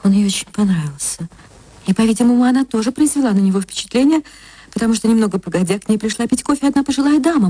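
Woman narrator for a classic radio play, slightly high pitch, dry and close, emotional and sweeping. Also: warm tone, dry recording.

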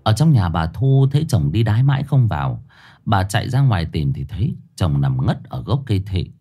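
A man narrating a ghost story in a dramatic manner, slowing down for suspense. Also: low-pitched, big pitch swings, dark tone.

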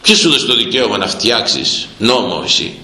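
A man preaching a sermon in a fiery, repetitive way, breaking into sudden loud bursts. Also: fairly low pitch, big pitch swings. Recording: roomy echo.

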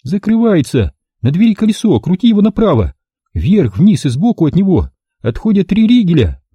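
A male narrator voicing a hysterical young woman who squeals, scolds and pleads in a shrill voice. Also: huge pitch swings, moderate pace, warm tone, husky, no echo, dull audio, full character voice. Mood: frantic.

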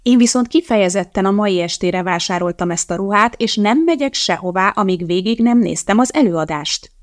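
A reader voicing a suspicious, vain young female secretary who speaks in a high, indignant, insistent tone. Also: expressive, natural voice.

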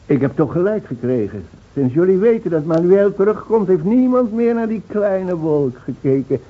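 An actor playing a mocking, drink-loving village outsider in a Dutch radio drama. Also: male voice, high voice, expressive, normal speed. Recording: thin, phone-like old radio recording.

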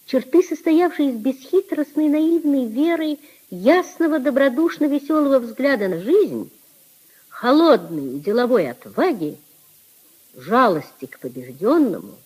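A woman narrating a 1950s radio play in an expressive, declamatory reading style. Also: a little high, breathy edge, rough recording.

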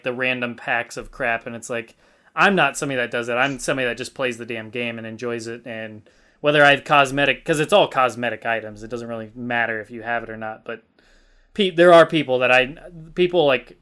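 A young man with a medium-pitched, bright, forceful voice hosts a gaming podcast. His casual talk is loose and rambling, full of fillers and the occasional swear.

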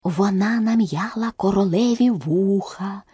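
A woman's voice: medium pitch, unhurried, slightly rough, no echo, clean studio sound. Woman doing a timid whispering white rabbit. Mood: nervous. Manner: hushed, nervous, whispering. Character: timid, fussy white rabbit courtier, male.

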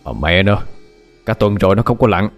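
A man voicing a gruff, blunt gang boss in an audio ghost story. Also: lowish voice, lively intonation, moderate pace, soft background music. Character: tough male gang boss, haunted and gruff.

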